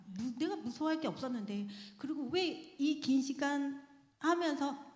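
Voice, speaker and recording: A woman giving a personal testimony in church, chatty and earnest, often laughing as she speaks. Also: high-pitched. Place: church sanctuary. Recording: echoey church hall with long reverb.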